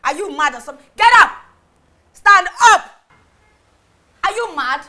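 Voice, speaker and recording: An actress with a Nigerian accent playing a furious betrayed young wife who shouts, curses and mixes Yoruba with English. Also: female voice, on the high side, expressive, very fast. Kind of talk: film drama acting.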